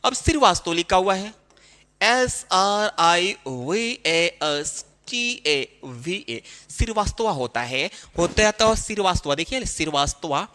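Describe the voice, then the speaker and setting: A man teaching a spelling lesson to young children, explaining slowly and repeating himself. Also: high voice, sharp tone, in a large hall. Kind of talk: classroom-style spelling lesson.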